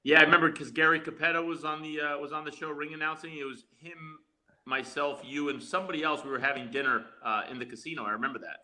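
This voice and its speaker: A man's voice: fairly high pitch, fairly even intonation, fast talker, bright, forceful tone. A man reminiscing in casual conversation as a guest on a podcast. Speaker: podcast guest, former wrestler.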